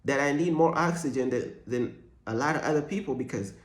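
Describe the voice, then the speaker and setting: A man's voice: mid-range voice, brisk, echoey room. A young man from Uganda giving a joking, slangy faith vlog monologue as a Christian content creator.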